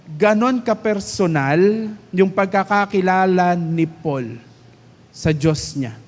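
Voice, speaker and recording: A Filipino man preaching a sermon as pastor, stretching out key phrases for emphasis. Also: sits high. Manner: mixes English and Tagalog, drawn-out emphatic phrases. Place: church hall. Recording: reverberant church hall.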